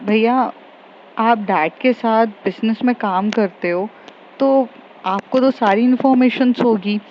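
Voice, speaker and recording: A woman's voice: on the high side, slow. A woman voicing an upset young woman who hides her tears and mixes English into her Hindi. The recording is slightly dull, with faint noise behind. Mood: probing.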